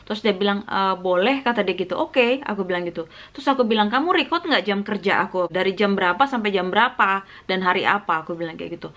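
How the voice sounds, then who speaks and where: A woman's voice: mid-range voice, expressive, fast, fairly bright tone. A woman from Indonesia telling a casual vlog story about a job, acting out the dialogue and slipping in English phrases. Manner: recounts dialogue, mixes in English phrases, frequent fillers. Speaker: vlogger.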